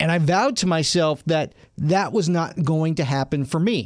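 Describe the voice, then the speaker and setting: A man's fairly high voice at a fairly slow pace, on a very clean recording with a silent background. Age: 40s. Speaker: fitness podcast host. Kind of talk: solo podcast monologue. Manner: conversational.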